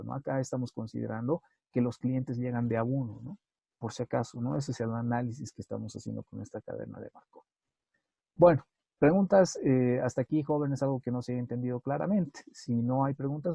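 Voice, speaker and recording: A man's voice: medium pitch, vocal fry, dark tone, slightly rough, no echo. A man giving a methodical university lecture, often checking with the students and correcting himself as he goes. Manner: methodical, repeats points and checks with tag questions; self-correcting, with hesitations. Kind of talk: recorded online lecture on queueing theory.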